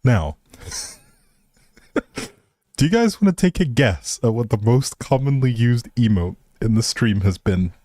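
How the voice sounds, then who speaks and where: A man's voice: mid-range voice, animated, unhurried, long pauses, mellow, no room sound, studio quality. A man hosting a livestream, chatting casually and informally straight to his viewers. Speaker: livestream host.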